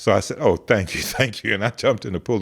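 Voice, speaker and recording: Over a silent background in a very clean recording, a man with an American accent talks at a very fast pace with lively intonation and a fairly low pitch. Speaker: voice actor. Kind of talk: personal storytelling in podcast interview.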